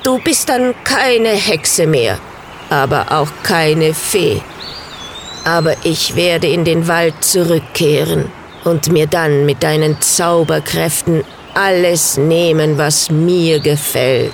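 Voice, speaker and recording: A woman croaking as a menacing black bird. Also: low voice, slight background noise. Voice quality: croaking, slow and threatening.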